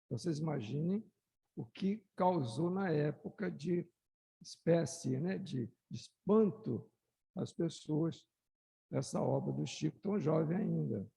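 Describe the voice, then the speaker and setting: A man with a Brazilian Portuguese accent giving a slow, explanatory lecture, raising his voice to recite verses. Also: creaky, dark tone, slightly rough. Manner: slow, explanatory, rises in pitch and volume when reciting verses. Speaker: lecturer at a spiritist study talk. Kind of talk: lecture with poetry readings. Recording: echoey hall with long reverb.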